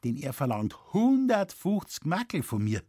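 A crafty Bavarian forest warden, read by a male narrator in near his own voice, sly and plain-spoken. The tone moves lively, and the voice sits close and dry. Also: on the high side, a little slow, dry recording, heavily acted.

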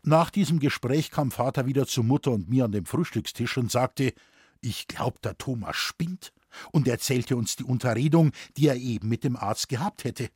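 A man with a Bavarian accent reading an audiobook story in a relaxed, wry storytelling manner. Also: mid-range voice, a little fast, few pauses, husky, no room sound, studio quality. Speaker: audiobook reader. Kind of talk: audiobook narration.

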